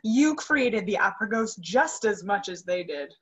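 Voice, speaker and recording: A young woman playing a defiant, sorrowful captive singer in a staged reading, formal and deliberate. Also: medium pitch, animated, fairly bright tone, husky. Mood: accusing, anguished. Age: young adult. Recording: muffled video call audio.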